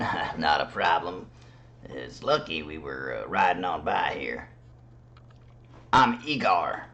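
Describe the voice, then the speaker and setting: A man's raspy, put-on character voice, very deep and low in pitch, at a fairly slow pace with long, frequent pauses. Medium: actual play. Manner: folksy drawl.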